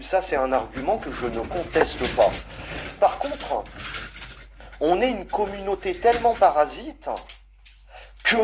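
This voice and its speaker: A man's voice: high voice, noisy background. Sarcastic man holding forth on a live stream. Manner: sarcastic, holding forth, calling listeners "brother". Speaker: livestream host. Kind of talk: casual live-stream debate.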